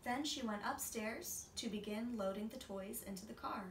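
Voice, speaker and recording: A woman's voice: fairly high pitch, normal speed, far from the mic. A woman in her twenties reading a children's picture book aloud expressively in a small room, a few feet from the camera. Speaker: storybook reader. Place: small indoor room, seated. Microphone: camera a few feet away. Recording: roomy, off-mic, faint noise.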